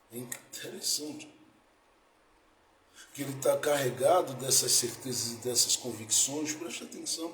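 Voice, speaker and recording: A male pastor preaching a sermon, moving between soft lines and loud, dramatic ones. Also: mid-range voice, slight background noise. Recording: echoey room with faint ambience.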